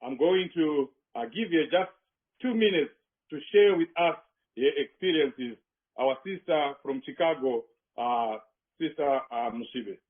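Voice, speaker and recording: A man chairing a meeting, speaking informally and haltingly, phrase by phrase. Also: fairly high pitch. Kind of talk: informal spoken introduction at a meeting. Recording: tinny, band-limited online call audio.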